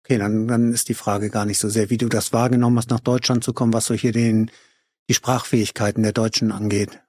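A man's voice: on the low side, level tone, fairly quick, a little mellow, breathy edge, no echo, studio quality. A man hosting a podcast interview, asking questions and encouraging the guest with short murmurs of agreement. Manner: supportive listener with many short backchannels. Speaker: podcast host. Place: Cologne.

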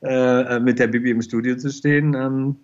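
A man's voice: medium pitch, level tone, normal speed, highs cut off. A middle-aged man speaking as a guest in a casual podcast interview, chatty and often repeating his phrases. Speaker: interview guest, fashion designer.

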